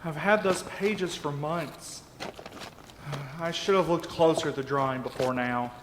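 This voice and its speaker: A man's voice: on the high side, a little slow, noisy background, natural voice. A man acting an earnest, determined leader of a group of friends in a naturalistic audio drama, speaking in a matter-of-fact, encouraging way. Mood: intent, searching.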